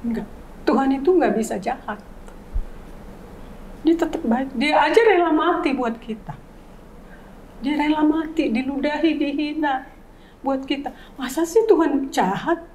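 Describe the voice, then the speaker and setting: Earnest woman in her fifties, higher voice. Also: a little slow, long pauses, a little mellow, a little hiss or hum, rough recording. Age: 50s. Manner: earnest, repeats key phrases for emphasis. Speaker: bereaved mother, guest. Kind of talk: emotional faith testimony in an interview.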